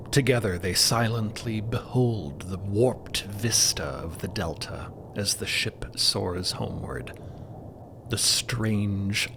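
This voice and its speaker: A man narrating scripted audio fiction in a deliberate, atmospheric, dramatic style. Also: fairly low pitch. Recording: clear background noise, ambience.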